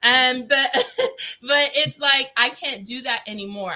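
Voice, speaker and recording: A woman talks loudly at a fairly slow pace, her tone bright and sharp. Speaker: industry professional. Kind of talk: podcast interview. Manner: intense.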